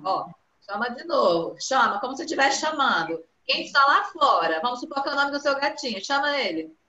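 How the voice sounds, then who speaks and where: A woman's voice: high voice, sing-song, a little fast, sharp tone. A woman with a Brazilian Portuguese accent teaching young children in an online class, patiently coaxing and stretching out words. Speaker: primary school teacher. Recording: echoey room, dull video-call audio.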